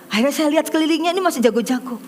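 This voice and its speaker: A middle-aged woman pastor with an Indonesian accent preaches in a church service. Her voice sits high, and she tells a personal story with lively, animated delivery. There is faint ambient noise behind her. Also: very fast. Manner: animated storytelling, acts out quoted voices, addresses congregation directly.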